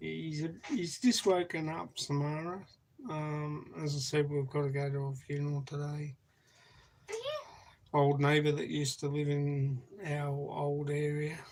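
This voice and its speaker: A somewhat breathy man with an Australian accent, fairly high pitch, fairly even intonation, fairly slow pace and long, frequent pauses. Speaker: vlogger. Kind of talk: casual live stream chat. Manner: soft-spoken.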